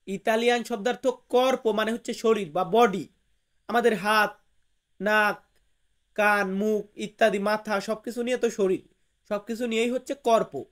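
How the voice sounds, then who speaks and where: A man from Bangladesh, teaching a vocabulary lesson to viewers, slowly repeating each word and its meaning with emphasis. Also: high voice. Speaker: language teacher.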